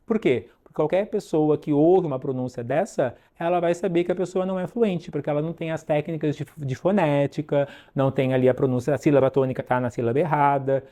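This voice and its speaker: Chatty Brazilian man teaching, mellow tone. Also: on the high side, brisk, hardly any pauses. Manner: chatty, rambling with many fillers and asides. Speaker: English teacher. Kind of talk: casual online lesson.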